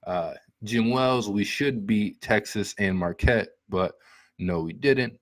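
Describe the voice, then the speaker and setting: A man's voice: lowish voice, slow pace, no room sound. An American man in his twenties giving casual, rambling sports commentary as a show host, close to a desktop mic at home. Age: 20s. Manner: rambling, conversational. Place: small room at home. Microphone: desktop microphone up close.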